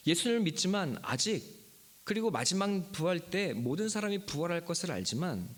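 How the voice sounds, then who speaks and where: Male pastor preaching, voice jumps all over, goes from loud and slow to near whisper, talks right to the congregation. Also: a little high. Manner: emphatic preaching that drops to a hushed whisper for key words; retells a Bible story, acting out its figures' lines. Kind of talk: Easter sermon.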